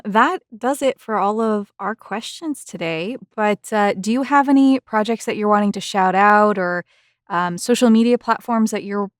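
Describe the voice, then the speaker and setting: A woman's voice: mid-range voice, no echo. Dry-sounding woman hosting a podcast. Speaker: podcast host, interviewer. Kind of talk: podcast interviewing and sign-off.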